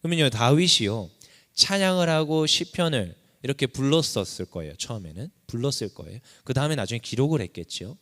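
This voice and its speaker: A man's voice: medium pitch, big pitch swings, a little fast, a bit bright. A man preaching a sermon as pastor, impassioned, his voice climbing sharply whenever he cries out a prayer. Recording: long reverb of a church hall.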